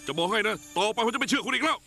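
A man's voice: very high-pitched, expressive, racing, vocal fry, faint music behind, full character voice. A furious, betrayed young man. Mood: accusing. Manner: loud, accusing, stubborn. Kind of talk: Thai dub of a TV drama.

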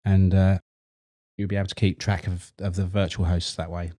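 A middle-aged man hosting a screen-recorded tech tutorial, chatty and relaxed, repeating words as he works. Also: low-pitched, normal speed.

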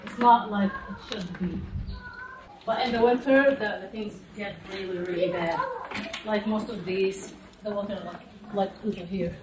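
English-speaking woman guiding a street tour. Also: mid-range voice. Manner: halting, plain non-native English with many "like" fillers. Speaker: local guide. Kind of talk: casual walking tour explanation. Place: outdoors in narrow camp alleys. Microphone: camera mic from a few steps away. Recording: outdoor camera audio, distant and echoey, loud street noise.

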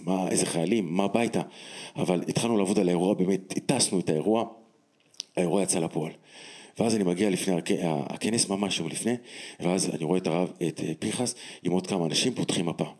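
A man with a low, deep voice and a husky edge tells a personal story. He speaks with animated emphasis and acts out the other people's lines. It sounds like a heartfelt testimony. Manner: animated, emphatic retelling with acted-out dialogue. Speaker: guest telling a personal story.

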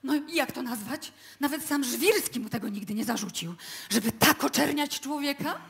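Radio play: aggrieved, proud widow, high-pitched and indignant. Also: female voice, normal speed, creaky, a bit bright, slight background noise. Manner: aggrieved, emphatic. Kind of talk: live radio drama acting.

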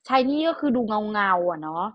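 A woman's voice: medium pitch, sing-song, a little slow, dry recording, highs cut off. A young adult woman vlogger chatting casually through handbag releases, thinking aloud and poking fun at herself. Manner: chatty, thinks aloud, self-mocking asides. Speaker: fashion vlogger. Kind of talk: casual product talk.

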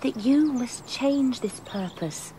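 An actress playing a modest, witty young shepherdess hosting a feast in a radio play. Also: female voice, sits high, lively intonation, takes it slowly, warm tone, slight background noise. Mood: gracious.

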